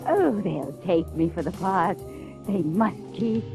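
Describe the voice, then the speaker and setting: An actress playing a needy, proud fading stage actress, melodramatic and pleading, in an old-time radio drama. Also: female voice, on the low side, animated, takes it slowly, gravelly, music in the background, exaggerated voice. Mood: gushing, hopeful.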